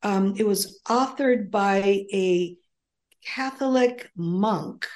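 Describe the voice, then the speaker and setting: An older woman whose first language is Greek speaks as an interview guest at a slow, unhurried pace. She rambles through her stories, often restarting sentences and filling pauses with ums. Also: mid-range voice, darkish tone. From United States. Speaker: author and guest. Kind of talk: casual interview conversation.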